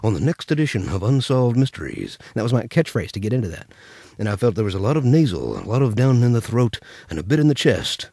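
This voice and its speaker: A man's voice: lowish voice, sing-song, quick pace, dark tone, slightly rough, dry recording. Casual man teaching, in a dry recording. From Memphis, United States. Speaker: voice actor teaching character voices. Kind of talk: casual instructional chat.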